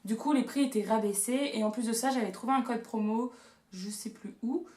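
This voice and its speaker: A woman's voice: fairly high pitch, a little fast, darkish tone. Gushing young woman in an echoey room. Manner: chatty and gushing, playful asides. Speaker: beauty and haul vlogger. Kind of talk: casual haul video chat. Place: room at home.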